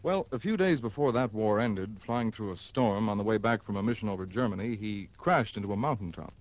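A man's voice: on the low side, expressive, brisk, lightly acted, rough recording. A man playing a grave insurance executive. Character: calm middle-aged male insurance executive. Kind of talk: 1960s radio drama acting. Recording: old radio broadcast.

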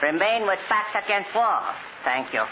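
A man's voice: sits high, lively intonation, moderate pace. Hissy old-radio mock-humble Chinese gunman. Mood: politely menacing. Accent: put-on Chinese. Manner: formal, flowery, mock-humble, clipped broken English. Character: menacing, mock-humble Chinese gunman with ornately polite speech. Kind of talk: 1940s radio crime drama acting. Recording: hissy, narrow-band 1940s radio recording.

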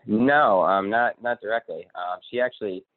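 A man from Connecticut, a guest speaker and coach, talking in a relaxed, rambling way with many ums. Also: lowish voice, moderate pace, no echo. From Connecticut, USA. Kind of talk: casual interview. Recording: tinny phone-line sound.

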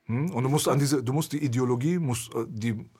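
A man from Berlin talks bluntly and intensely as a guest. His voice sits at an ordinary middle pitch, and he builds his points with forceful emphasis. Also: a little fast, husky. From Berlin, Germany. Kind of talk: candid conversation.

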